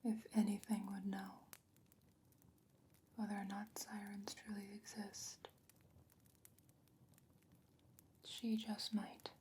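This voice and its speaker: A woman playing a calm, knowing, secretive potion maker in a soft-spoken ASMR fantasy roleplay, whispering slowly and breathily with measured, hesitant pauses. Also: medium pitch, slight background noise, close to an everyday voice. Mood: hushed, mysterious.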